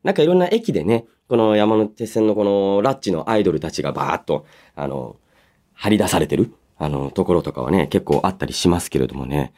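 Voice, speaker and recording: A man hosting a solo radio show, chatting and reading listener mail in an animated way, slipping between polite announcing and casual asides. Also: sits low, brisk. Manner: animated storytelling with sound-effect words and casual asides.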